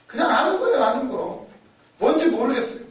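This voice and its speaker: Speaking a bit fast in an extremely high pitch, a male preacher animates his sermon stories by performing the quoted voices and shouts and hammering key words through repetition. A distant mic captures him in a heavily echoing space.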